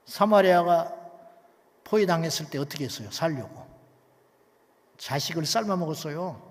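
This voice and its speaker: A male pastor preaching an emphatic sermon, dropping to near whispers and then rising loud, with many rhetorical questions to the congregation. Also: on the high side, animated, moderate pace, big-room sound.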